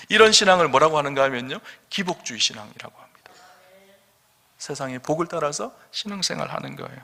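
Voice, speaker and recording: Bright-voiced male pastor preaching. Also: high voice. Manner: emphatic, asks the congregation questions. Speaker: senior pastor. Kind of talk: sermon. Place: church sanctuary. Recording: long church hall reverb.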